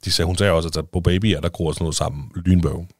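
A man's voice: low-pitched, steady tone, darkish tone, dry recording, clean studio sound. A man with a Danish accent, a father talking as a podcast guest in casual chat, rambling with many restarts and fillers.

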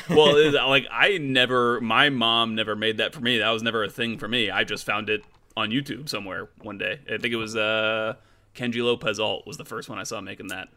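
A man co-hosting a podcast with a bright, forward voice. He is chatty and eager, jumping into the conversation with a bright, sharp edge. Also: on the low side, steady tone, brisk. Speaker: podcast co-host. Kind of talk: casual podcast chat.

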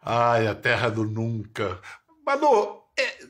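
A man's voice: mid-range voice, wildly swooping pitch, takes it slowly, a bit bright. A man hosting a TV talk show interview, playful and teasing, often laughing. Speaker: host.

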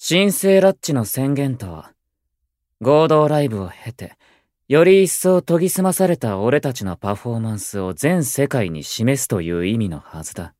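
A man's voice: mid-range voice, very animated, normal speed, a little mellow, dry recording, clean studio sound, close to an everyday voice. An actor playing a stern, proud, aloof young male idol in a Japanese voice drama, with curt, formal and haughty speech. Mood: stern, argumentative. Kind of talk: Japanese anime-style voice drama acting.

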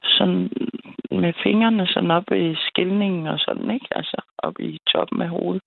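A woman's voice: fairly low pitch, vocal fry, dry recording. A woman calling in to a night radio show, telling a story in a chatty way and laughing between sentences. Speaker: caller. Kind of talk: casual phone-in storytelling. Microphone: telephone. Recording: tinny phone line.

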